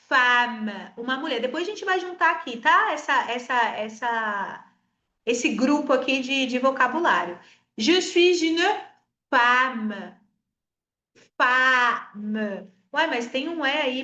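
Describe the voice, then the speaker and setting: A high-voiced woman from Espírito Santo teaches French in a Brazilian Portuguese accent, coaxing her students to repeat after her. She slows right down to model each French word. Her voice rings in a roomy, echoing space. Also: bright, forceful tone, dull audio. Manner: explains patiently, coaxes viewers to repeat sounds; models French words slowly. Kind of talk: online language lesson.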